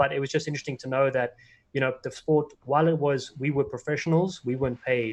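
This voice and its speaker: Against a quiet background, a man with a South African accent speaks fairly quickly in a fairly even intonation. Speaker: rugby commentator and former player. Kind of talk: interview conversation. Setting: live stream video call. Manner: fast.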